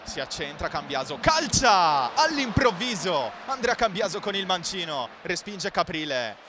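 High-voiced Italian male football commentator. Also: big pitch swings, a little slow. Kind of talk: live football match commentary. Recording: commentary over stadium noise.

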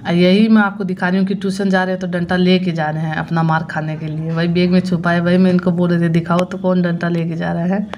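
A woman's voice: lowish voice, little pitch movement, fast, hardly any pauses, a little mellow, a little hiss or hum. A woman in her thirties from India, chatting through a casual voice-over of her family's daily routine and explaining each clip. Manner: chatty, explains what is on screen step by step. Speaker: family vlogger and mother.

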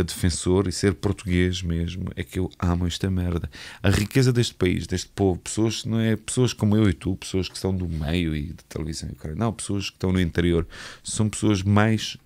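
A man's voice: sits low, fairly even intonation, a little fast, creaky, darkish tone. A man in his forties who grew up in Eastern Europe, talking casually and bluntly as a podcast guest, swearing freely in a studio on a headset mic. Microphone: studio mic with headphones.

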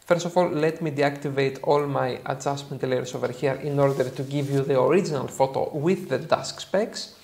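A man's voice: a little high, vocal fry, a little mellow. A man in his thirties with a Greek accent hosts a photo-editing tutorial, talking in a jokey, self-deprecating way with theatrical emphasis. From Greece. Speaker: tutorial host.

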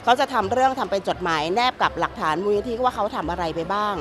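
Over music, a middle-aged woman event organizer with a mid-range voice and lively intonation fields interview questions in an indoor hall. She talks into several handheld press mics, fast and matter-of-fact, restarting her words again and again.

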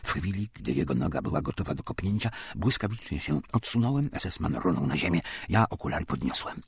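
A male narrator reads a war memoir in a deep, rough voice full of fry. His delivery is scripted and dramatic, with widely moving intonation. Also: big pitch swings, fairly quick. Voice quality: gravelly, husky. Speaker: audiobook narrator.

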